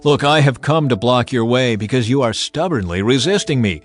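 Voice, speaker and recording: A man's voice: medium pitch, lively intonation, normal speed, lightly acted. A man voicing a stern angel with a grave, commanding manner in a dramatized scripture reading. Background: background music.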